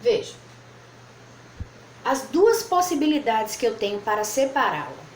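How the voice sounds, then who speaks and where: A woman's voice: a little high, very animated, measured pace. A woman teaching a lesson at a board, patiently spelling out words syllable by syllable. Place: room with whiteboard. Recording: echoey room, faint background noise.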